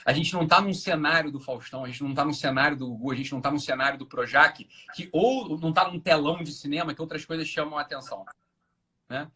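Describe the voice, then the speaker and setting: Man, brazilian portuguese accent, rapid delivery, husky, animated live-stream host. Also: a little high. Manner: animated, acts out silly voices mid-explanation. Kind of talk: casual live-stream conversation.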